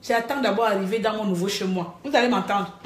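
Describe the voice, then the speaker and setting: A woman talking to her viewers in a live-stream monologue, animated, scolding and joking by turns. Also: mid-range voice, fairly quick, slight background noise. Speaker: livestreamer. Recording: echoey room.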